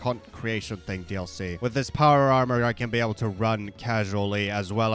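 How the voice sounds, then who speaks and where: A man talks at a fairly low pitch. Music can be heard behind him. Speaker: gaming YouTuber. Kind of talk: comedic gameplay commentary.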